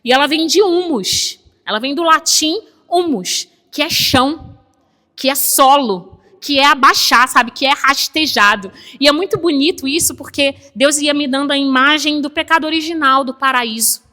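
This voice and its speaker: Bright high-voiced woman preaching in a hall. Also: normal speed. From Brazil. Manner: emotional, conversational, frequent "né?" asides. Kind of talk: sermon with personal story. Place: church chapel.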